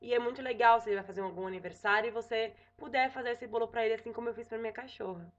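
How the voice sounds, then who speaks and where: This cooking vlogger, a young Brazilian woman, talks viewers through a recipe at home in a chatty way, frequently asking "tá?" and fixing her own slips. She speaks very fast in a higher register with a Brazilian Portuguese accent, and the sound is dull.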